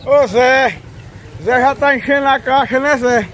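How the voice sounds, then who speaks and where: A man's voice: very high-pitched, steady tone, unhurried, a bit bright. A man with a Northeastern Brazilian accent, chatting casually as he films an outdoor animal market. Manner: chatty, keeps pointing things out. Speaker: vlogger filming a market. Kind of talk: casual walking vlog commentary. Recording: crowded outdoor market noise.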